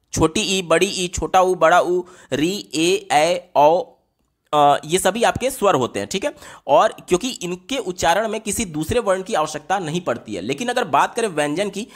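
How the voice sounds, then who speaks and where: High-voiced male Hindi-medium teacher. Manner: explains step by step, asks and answers his own questions, repeats "theek hai?"; writes on a board while explaining. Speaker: teacher solving exam papers. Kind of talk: exam-paper lesson explanation.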